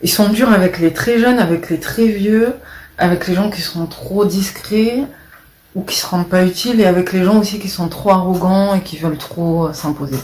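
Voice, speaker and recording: A woman chatting casually to camera, rambling and hesitant, often trailing off softly. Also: medium pitch, moderate pace, echoey room. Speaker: vlogger.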